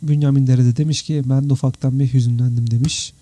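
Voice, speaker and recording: A 3D visualization teacher runs an informal live Q&A stream from his computer indoors, sharing his screen while reading and answering viewer comments. His mid-range, mellow voice moves fast with fairly even intonation and no room sound. Three hours in, he's tired and slightly worn, yet still chatty and friendly with his viewers.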